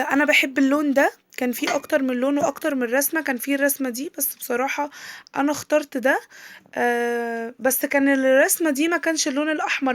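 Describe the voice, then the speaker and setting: Young Egyptian woman vlogger, high and quick, tired voice, chatty and filler-heavy, dry handheld sound. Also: no echo. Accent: Egyptian Arabic. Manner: chatty, full of drawn-out "aah" fillers and trailing restarts. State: tired voice, still recovering from illness. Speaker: lifestyle vlogger. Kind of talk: casual product showcase chat. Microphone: handheld camera.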